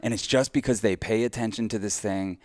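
A man's voice: fairly low pitch, fairly quick, a little mellow, no echo. An American man hosting a podcast conversation in a casual, candid and informal way. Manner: candid, informal, freely swearing. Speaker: podcast host.

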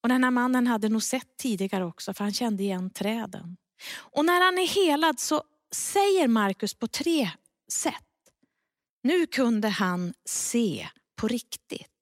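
A woman preaching in a fairly high, very lively voice that climbs and falls as she retells Bible stories. Quoted words come out hushed and low. The sound is close and dry. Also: no echo. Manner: expressive, dips soft and low for quoted words. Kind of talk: sermon with Bible reading.

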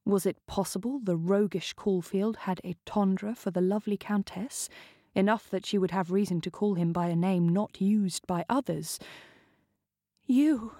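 A woman reading a novel aloud in slow, measured scripted narration. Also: mid-range voice, fairly even intonation, warm tone, dry recording, clean studio sound. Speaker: reader.

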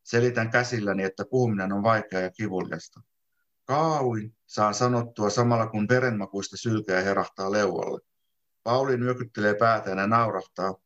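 A man reading his own literary text aloud in a calm, measured first-person narration. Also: lowish voice. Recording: dull lo-fi sound.

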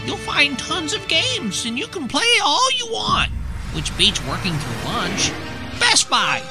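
A playful commercial pitchman played by a man urges listeners to escape and play. The voice is pitched high and swings extremely up and down. Music is clearly present underneath. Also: huge pitch swings, takes it slowly, exaggerated voice. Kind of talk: commercial acting.

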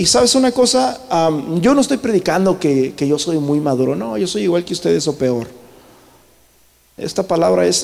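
High-voiced preacher in a reverberant church. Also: male voice, creaky, a little mellow. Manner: questions the congregation often, tagging lines with "¿verdad?"; mixes Spanish with the English word "brother". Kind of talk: church sermon. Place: church hall.

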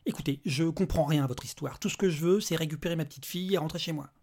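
A volatile, desperate father who keeps exploding into cursing tirades, as a male reader acts him out. His husky voice pushes up high and loud whenever his temper breaks. It is a dark storybook reading. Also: quick pace. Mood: furious. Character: volatile desperate human father, furious then broken.

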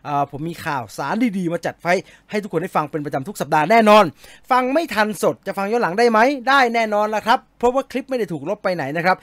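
Chatty high-voiced male movie show host. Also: a bit bright, dry recording. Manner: chatty, jokey, polite particles. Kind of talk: casual live-stream chat reading viewer comments.

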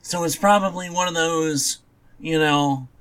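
A man's voice: on the high side, measured pace, a bit bright, clean tone, poor audio. A man co-hosting a podcast in casual, blunt chat about comics, dismissive and given to offhand swearing. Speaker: podcast co-host.

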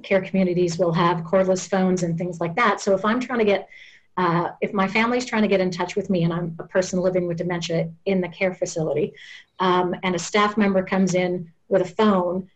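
A woman's voice: lowish voice, steady tone, fairly quick, poor audio. A woman working as a dementia care educator, speaking earnestly in an interview and taking the viewpoint of a person with dementia as she explains.

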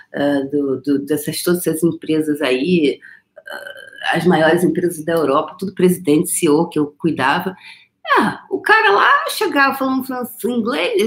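A middle-aged Brazilian woman, an energy-work coach, talking casually to her followers in an animated, rhetorical way. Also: medium pitch. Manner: animated, rhetorical, voices imagined objections.

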